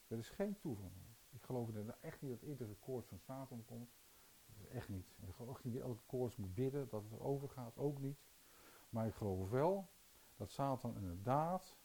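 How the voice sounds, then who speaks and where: A man preaches a sermon, telling stories and posing rhetorical questions to his listeners. His mid-range voice is warm, and the rough recording carries a little hiss or hum.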